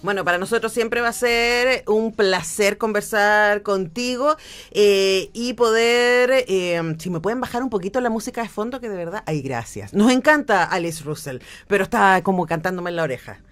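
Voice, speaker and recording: A woman's voice: mid-range voice, moderate pace. A woman with a Chilean accent hosting a casual live radio interview in an effusive, affectionate and informal way.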